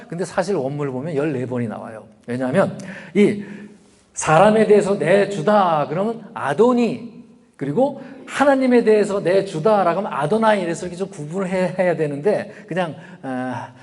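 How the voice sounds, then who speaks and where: A man's voice: on the high side, darkish tone. A middle-aged man preaching a sermon as pastor, talking conversationally and asking his listeners rhetorical questions. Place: church sanctuary. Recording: long reverb of a church hall.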